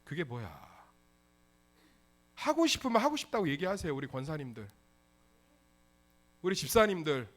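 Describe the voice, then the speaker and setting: A male pastor preaching an animated sermon, often acting out little dialogues. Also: fairly high pitch, normal speed, pauses often. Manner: animated, acts out dialogues in voices.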